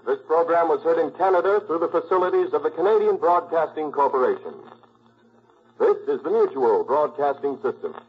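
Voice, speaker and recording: A man's voice: on the high side, animated, brisk, breathy edge, faint music behind. A man reading a script as a formal, emphatic 1940s radio announcer. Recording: dull 1940s radio recording.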